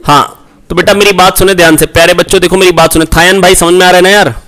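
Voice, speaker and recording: A man teaching a physics revision class online, coaxing his students, repeating key points and firing quick questions at them. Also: sits high, fairly even intonation, pushed and bright. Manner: asks rhetorical questions, prompts answers. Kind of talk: online exam-prep lecture.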